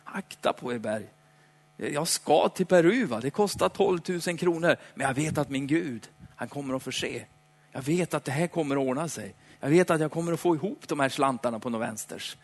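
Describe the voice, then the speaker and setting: A man preaching a sermon in a chatty, playful way, slowing down for dramatic emphasis. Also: fairly high pitch. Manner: conversational, dramatic slowdowns, playful asides. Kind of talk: lively sermon. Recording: hall reverb.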